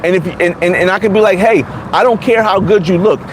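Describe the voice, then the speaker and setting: Forty-something man, high-pitched, blunt and repetitive vlogger, faint street noise behind. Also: fairly quick. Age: 40s. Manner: blunt, repetitive, many restarts. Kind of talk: casual livestream chat reading comments.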